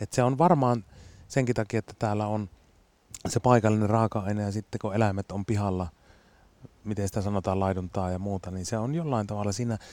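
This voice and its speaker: Fairly quick, fairly low-pitched man's voice with a dark, mellow tone, ordinary pitch variation, and a dry, close sound with no echo. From northern Finland, Kemi area. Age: 50s. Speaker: campsite owner. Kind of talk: interview. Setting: outdoors at a campsite.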